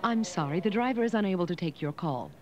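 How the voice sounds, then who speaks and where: A woman's voice: lowish voice, lively intonation, fast. A woman giving polite, formal answering machine greetings, heard through a lo-fi cassette tape. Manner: formal, polite recorded-message delivery.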